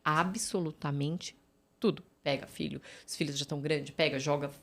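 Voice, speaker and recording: A woman's voice: low-pitched, steady tone, moderate pace. Chatty São woman telling stories. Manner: chatty, storytelling, many fillers and tag questions. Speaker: physiotherapist, podcast guest. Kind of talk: casual podcast conversation.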